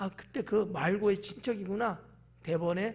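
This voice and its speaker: The speaker has a slight Chungcheong accent and talks at a moderate pace. The tone is animated. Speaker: pastor. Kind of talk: sermon.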